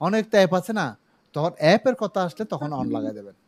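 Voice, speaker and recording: A man's voice: fairly high pitch, sing-song, fast, a crowd in the background. A man teaching English over a video call, speaking in a slightly raised voice. He explains patiently, repeats key words and draws on everyday examples. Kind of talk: online English grammar class.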